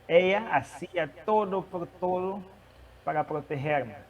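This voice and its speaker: A man who is not a native Spanish speaker, preaching and sharing a testimony, with a halting manner and many restarts. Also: high-pitched, distant mic, lo-fi sound, slight background noise. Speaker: guest preacher. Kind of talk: sermon testimony.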